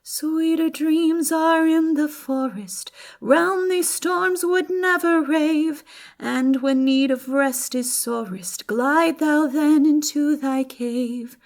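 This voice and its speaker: A woman performing a lovelorn young man in an audiobook, singing slow, drawn-out verse with melodic yearning. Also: high voice, soft background music, voice pushed up. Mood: gentle pleading.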